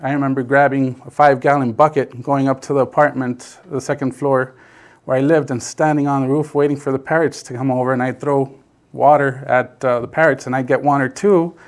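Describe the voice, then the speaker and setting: Speaking briskly with a flat delivery, this man has a mid-range voice. He's middle-aged, from South Texas, a native Basque speaker telling his family's story casually as an interview guest, restarting often and using many fillers.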